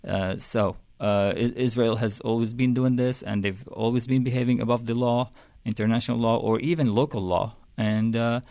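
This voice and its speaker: A man from Palestine, a professor, speaking as a radio guest with a halting delivery full of fillers. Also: medium pitch, steady tone, vocal fry, a little mellow, no room sound, studio quality. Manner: halting, many fillers and restarts. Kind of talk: radio interview.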